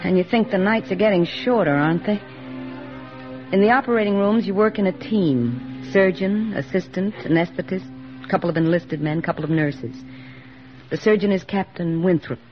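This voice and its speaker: An actress playing a thoughtful young army nurse who narrates in a 1940s radio drama. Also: female voice, fairly low pitch, normal speed, natural voice. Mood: reflective. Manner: reflective, soft-spoken narration. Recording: dull old radio recording with music.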